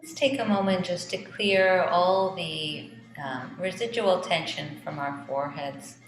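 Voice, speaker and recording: A woman teaching yoga, leading a guided meditation in a gentle, unhurried, soothing manner. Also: fairly low pitch, a little hiss or hum. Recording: echoey reverberant room with music behind.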